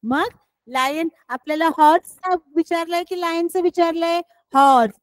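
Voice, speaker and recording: A woman teacher with a Marathi accent explaining English words to children, slowly and deliberately, often repeating her questions to the class. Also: extremely high pitch, no room sound, low-quality recording. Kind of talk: scholarship exam English lesson for children.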